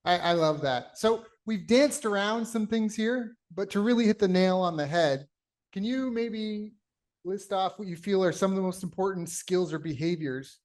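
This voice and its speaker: A man's voice: sits high, moderate pace, a little mellow. Enthusiastic male podcast host. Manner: enthusiastic, repeats praise. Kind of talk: casual interview.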